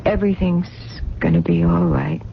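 A woman's voice: lowish voice, fairly even intonation, normal speed, gravelly, heavy background noise. An actress playing a sorrowful, hesitant young diner woman in a 1970s radio drama. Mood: sorrowful, controlled. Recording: muffled, humming old radio broadcast.

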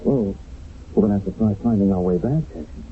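An actor playing a weary American army soldier leading a wartime patrol in a radio drama. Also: male voice, on the low side, a little fast, close to an everyday voice. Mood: commanding, steady. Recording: tinny, faintly noisy old radio broadcast.

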